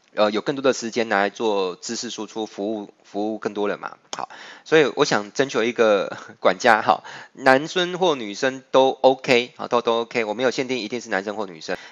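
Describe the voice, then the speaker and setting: Speaking at a moderate pace and medium pitch, a man with a Taiwanese accent shows ordinary pitch variation and big swings in loudness. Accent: Taiwanese Mandarin. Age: 40s. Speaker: podcast host, storyteller. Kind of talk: casual storytelling monologue.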